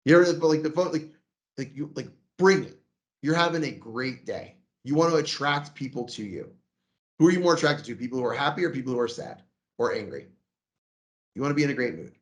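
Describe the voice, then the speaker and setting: A man leading a sales training, coaching his team with energy and acting out sample phone calls. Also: mid-range voice.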